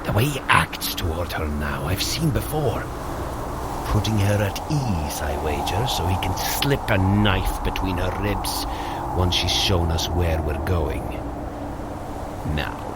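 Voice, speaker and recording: An actor playing a hearty, loyal Norse thunder god in an audio drama, speaking in an earnest, formal, theatrical way. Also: male voice, low voice, expressive, slow pace. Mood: grave, confiding. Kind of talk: audio drama acting, archaic formal speech. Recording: clearly noisy outdoor ambience behind.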